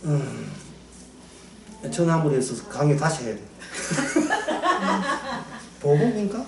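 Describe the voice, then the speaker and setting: Male preacher, lively swooping high voice, echoey room, mic far off. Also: slow, gravelly, slight background noise. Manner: animated, acts out quotes, laughs often. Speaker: Bible lecturer. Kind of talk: sermon-style Bible lecture.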